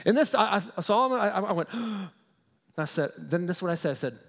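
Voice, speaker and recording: Pastor preaching: man, high voice, story-driven and emphatic, chuckles, echoey hall. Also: expressive, fairly quick, vocal fry, a bit bright. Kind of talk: sermon.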